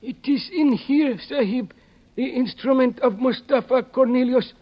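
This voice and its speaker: Scared servile henchman, really high voice, slow halting broken english, old radio show. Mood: deferential, explaining. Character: frightened, servile foreign henchman pleading for his life. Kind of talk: 1950s radio drama acting. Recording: dull lo-fi old radio recording.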